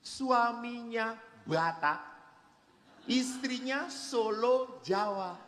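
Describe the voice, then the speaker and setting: A male Catholic priest giving a humorous seminar talk, an animated storyteller who acts out voices and jokes with his audience. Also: very high voice, drawn-out words, slight background noise. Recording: reverberant hall.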